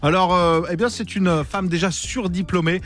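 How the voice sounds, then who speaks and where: A man's voice: sits high, steady tone, normal speed, fairly bright tone. A man in his thirties hosting a radio game show, playful and chatty, laughing easily with callers. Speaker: radio host.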